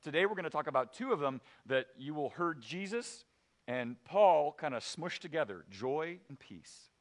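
A man preaching a sermon to his church, telling a story animatedly and dropping to a quiet, serious tone for weighty points. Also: a little high, animated, normal speed. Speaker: pastor.

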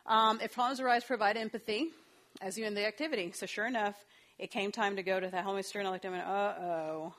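A woman's voice: mid-range voice, fairly even intonation, very fast, a bit bright. A woman counselor giving a talk on parenting, conversational and storytelling, with fillers and asides. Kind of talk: parenting talk with personal anecdotes.

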